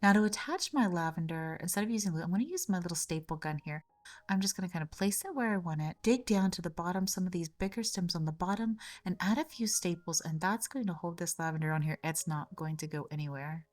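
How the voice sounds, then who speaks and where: A woman hosting a craft tutorial, talking through each step in a chatty way, her voice slightly raspy and hoarse from a cold. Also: on the low side, fast talker, dry recording. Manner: chatty, step-by-step, frequent small repeats. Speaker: craft channel host. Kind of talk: casual craft tutorial narration.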